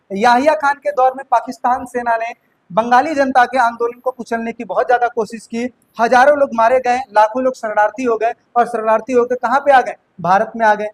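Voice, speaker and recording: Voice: medium pitch, rough recording. Teacher on a study channel, keeps asking "what happened?" and answering it, says everything twice. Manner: asks rhetorical questions and answers them; repeats points to drive them home. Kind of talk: classroom lecture explaining history.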